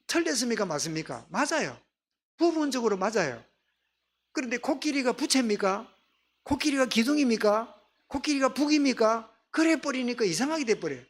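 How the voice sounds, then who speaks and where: A man's voice: sits high, fairly bright tone. A male pastor with a Gyeongsang accent preaching a sermon, often asking the congregation questions and answering them himself. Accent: Gyeongsang dialect.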